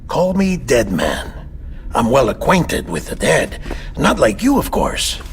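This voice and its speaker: A talkative, offbeat coroner-turned-doctor, with a gravelly voice. His pitch rises and falls freely as he reassures a patient. A faint background hiss sits under him. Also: wildly swooping pitch, takes it slowly, exaggerated voice. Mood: reassuring. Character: eccentric male coroner doctor, chatty. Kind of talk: video game cutscene acting.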